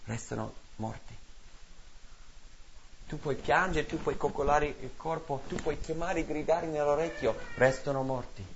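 A man preaching a sermon in a rhythmic, repetitive cadence, swinging between loud emphatic lines and hushed drops. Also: a little high, measured pace, highs cut off, a little hiss or hum.

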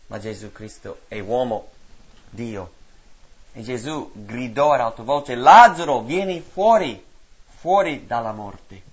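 A man preaching a sermon in a rhythmic, repetitive cadence, swinging between loud emphatic lines and hushed drops. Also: fairly low pitch, highs cut off.

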